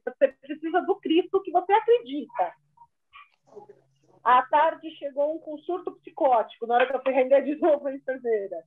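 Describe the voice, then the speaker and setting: A woman with a high voice recounts her shifts as a nurse for a church women's meeting, speaking casually and circling back on "I said" as she retells what was said. She comes through a video call, and the audio is narrow and tinny, as if over a phone line. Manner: storytelling that keeps repeating "I said" while retelling conversations. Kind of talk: casual spoken testimony.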